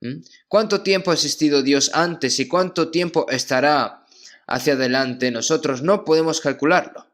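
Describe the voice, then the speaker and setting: Guy preaching a sermon, reads a verse then unpacks it slow, keeps going mm? at the crowd. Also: a little high, a bit bright. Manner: reads scripture aloud then explains it slowly; keeps checking in with listeners with a questioning hum.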